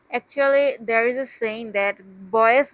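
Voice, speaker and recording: A woman talks with a Bengali accent. Her pace is very slow. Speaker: vlogger. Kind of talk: casual personal vlog. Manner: halting, many fillers.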